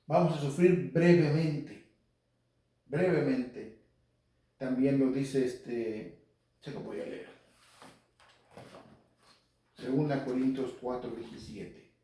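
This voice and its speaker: A man's voice: mid-range voice, steady tone, takes it slowly, long pauses, dark tone. A man teaching the Bible to a congregation, quoting scripture and speaking to listeners by name. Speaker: lay Catholic preacher. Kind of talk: Spanish-language Bible teaching. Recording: very echoey hall, from far off.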